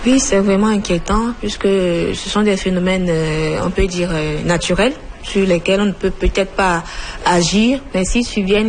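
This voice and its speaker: A woman doctor explaining in a measured, steady way, pausing to find her words. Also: on the low side, slight background noise. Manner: measured, explanatory, with pauses and fillers. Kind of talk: interview answers.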